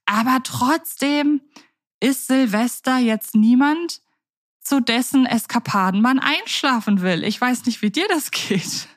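A woman co-hosting a podcast, talking in a relaxed, thoughtful way with frequent fillers and restarts. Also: high-pitched, unhurried. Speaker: podcast co-host. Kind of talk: casual podcast chat.

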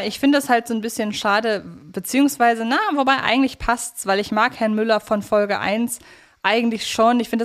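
A woman co-hosting a podcast, casually discussing an audio drama series, agreeable and thinking aloud as she goes. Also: a little high. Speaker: podcast co-host.

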